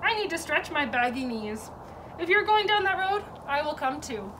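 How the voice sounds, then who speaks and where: A woman's voice: sits high, sing-song, moderate pace, sharp tone, heavily acted. A woman voicing a commanding, baggy-kneed elephant in a children's storybook, trumpeting. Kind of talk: children's storybook read-aloud. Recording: distant mic with clear background noise.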